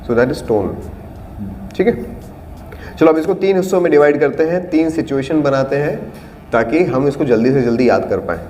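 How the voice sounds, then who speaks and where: A man's voice: fairly high pitch, animated, moderate pace, mellow. A man teaching an acting class, explaining auditions patiently and demonstrating lines in different tones and volumes. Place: acting studio room. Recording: reverberant room with faint background noise.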